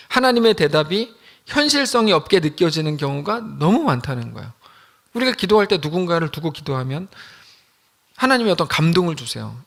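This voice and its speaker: A man's voice: high-pitched, a bit bright. A male pastor giving a conversational midweek sermon, acting out prayers in quoted voices.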